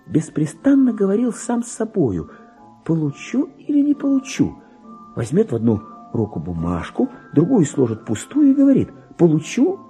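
A man's voice: a little high, dark tone, pitched above the performer's own voice. A man voicing a chatty, naive, pampered female lapdog reading out her gossipy letters in a theatrical radio play. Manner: prim, gossipy, singsong.

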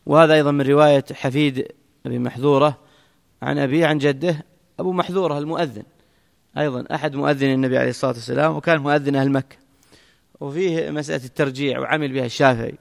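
A man explaining a religious text to a class in a brisk manner, with quick asides and restarts, recorded in an echoey hall. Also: a little high, steady tone, vocal fry. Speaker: teacher explaining a hadith text. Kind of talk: classroom commentary.

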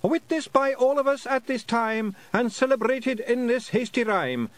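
A man voicing a small, theatrical male pixie reciting bad poetry in a high wailing voice. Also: expressive, unhurried. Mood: mournful.

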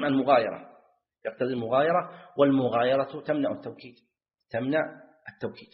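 A man's voice: mid-range voice, fast talker. A man teaching jurisprudence to a class, repeating key phrases and quizzing his students. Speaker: Islamic scholar teaching jurisprudence. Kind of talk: classroom lesson. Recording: dull lo-fi lecture recording.

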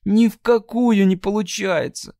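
A man's voice: sits high, expressive, normal speed, dry recording, clean studio sound, pitched above the performer's own voice. A man voicing a young uneducated woman who speaks plain, ungrammatical folksy speech, stubborn and despairing. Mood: sobbing.

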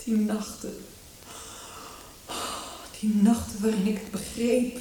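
A woman's voice: mid-range voice, flat delivery, slow pace, mellow, lightly acted. An actress playing a grief-stricken king's daughter consumed by hatred, declaiming solemnly in a classical tragedy for radio. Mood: bitter, haunted. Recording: echoey hall, distant microphone.

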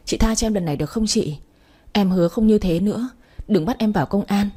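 A woman's voice: mid-range voice, brisk, mellow, husky, close to an everyday voice. A woman reading a pleading young male thief. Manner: begging, tearful.

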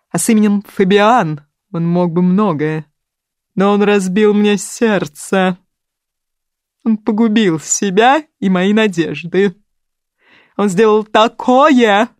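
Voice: mid-range voice, no room sound, clean studio sound, natural voice. A reader putting on a melodramatic self-pitying old lady. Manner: melodramatic, loud and drawn-out. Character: theatrical, self-pitying older woman, prone to sobbing.

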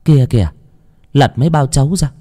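A man voicing an older village woman who is a spirit medium, explaining slowly and matter-of-factly. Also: medium pitch, warm tone, voice pushed up, close to an everyday voice. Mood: calm, knowing.

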